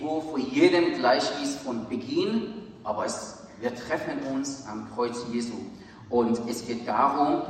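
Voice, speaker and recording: Halting preacher in a booming hall. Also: male voice. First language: Farsi. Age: 30s. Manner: halting, searching for words, earnest. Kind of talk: sermon. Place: large church hall. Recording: echoey church hall from far off, faint hiss.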